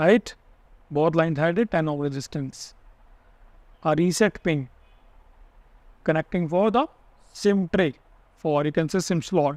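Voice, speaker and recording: A man's fairly high voice with a non-native accent and ordinary pitch variation, at a fairly slow pace with long, frequent pauses, in a dry, close sound with no echo. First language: not English. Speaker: electronics repair tutor. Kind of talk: tutorial.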